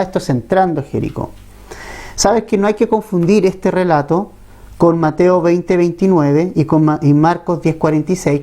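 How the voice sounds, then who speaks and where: A pastor with a Chilean Spanish accent and a mellow, higher-leaning voice preaches a Bible-teaching sermon, talking conversationally and often putting questions to the congregation.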